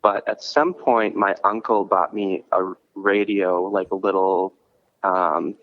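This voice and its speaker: Interview guest calling in by phone: a lower-pitched man, muffled line, loose and rambling delivery. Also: steady tone, takes it slowly. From Minnesota, US. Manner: rambling, with frequent restarts and "like" fillers. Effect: heard over a phone line. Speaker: podcast host and concert promoter, guest. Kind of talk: casual chat, relaxed storytelling. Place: coffee shop.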